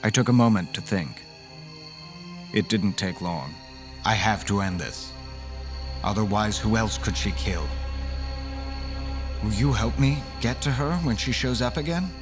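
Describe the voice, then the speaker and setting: An actor playing an earnest, haunted man who recounts his horror story in measured, dramatic first-person audio drama narration. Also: on the low side, expressive, over music. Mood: worried, earnest.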